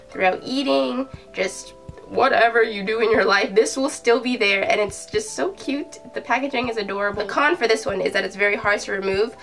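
A young woman's voice, stuffy and nasal from a cold, with a gravelly fry at the ends of her phrases. She talks in a chatty, enthusiastic way and leans on fillers. She sounds a little distant from the mic, with faint music playing behind her. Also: mid-range voice, fairly bright tone. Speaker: beauty vlogger. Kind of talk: casual product review.

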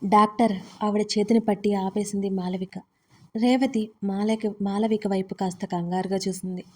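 A woman storyteller reading a romance audio story in a steady, even manner. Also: mid-range voice, moderate pace.

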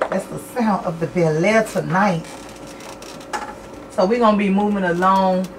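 A woman hosting a live radio show, reading out listener shout-outs with lively, excited greetings. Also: medium pitch, recorded from a distance, slight background noise.

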